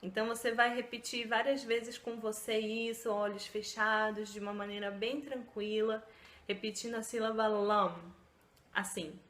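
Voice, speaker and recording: A woman's voice: a little high, little pitch movement, normal speed, a bit bright, reverberant. A woman vlogger giving casual self-help talk to the camera, chatty, with many fillers and tag questions.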